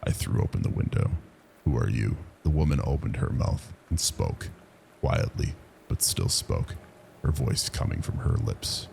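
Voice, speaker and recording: An extremely deep, firm-voiced man narrates a scary first-person story. His voice is heavily gravelly and full of fry, and his phrasing is measured and deliberate. Clear noise sits behind the recording. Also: very animated, darkish tone, poor audio.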